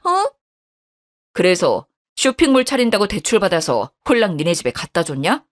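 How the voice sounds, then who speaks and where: A woman's voice: fairly low pitch, very animated, normal speed. A woman voicing an angry young husband who scolds his wife with contempt. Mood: scornful.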